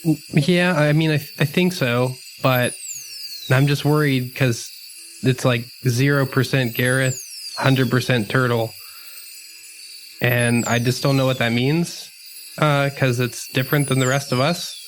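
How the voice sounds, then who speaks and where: A man's voice: mid-range voice, steady tone, unhurried, low-quality recording. A man playing a tabletop game with friends, talking casually in character in a hesitant, rambling, slangy way. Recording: music playing under the voice.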